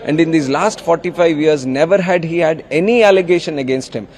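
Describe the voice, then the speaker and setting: A man's voice: fairly high pitch, a little fast, darkish tone. A man with an Indian accent making a political statement to the media as an opposition politician.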